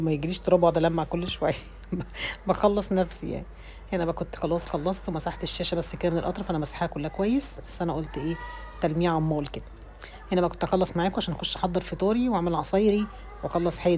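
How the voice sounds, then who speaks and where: Chatting casually about cleaning her home, this home vlogger is a woman in her thirties who speaks with an Egyptian Arabic accent. Her rambling voice-over keeps restarting, delivered in a low, slightly mellow voice over a bit of background noise.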